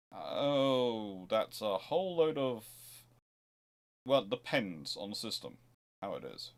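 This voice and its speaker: A man hosting an informal expert question-and-answer talk, discursive and often breaking off to rephrase his sentences as he thinks aloud. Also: fairly low pitch. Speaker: host answering viewers' history questions.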